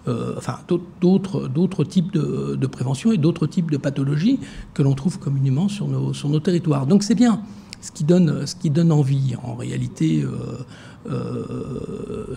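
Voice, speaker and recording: A man answers interview questions in a gravelly, dark-toned voice, pausing often on fillers and restarting his sentences. He speaks as the director of a social security fund. Faint noise sits under the recording. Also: mid-range voice. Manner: hesitant, many fillers and restarts.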